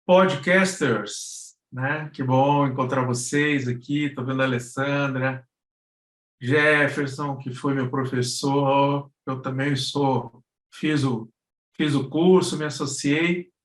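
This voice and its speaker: A man's voice: mid-range voice, fairly bright tone. A Brazilian man presenting informally to an online class over a video call, thinking aloud in loose, conversational phrases. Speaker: guest presenter, actor and cultural producer. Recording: roomy, echoing video call audio.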